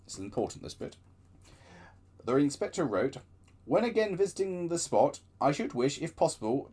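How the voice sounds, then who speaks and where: A man's voice: medium pitch, slightly rough. A man hosting his own channel, reading railway book extracts aloud with chatty asides. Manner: lively storytelling with chatty digressions.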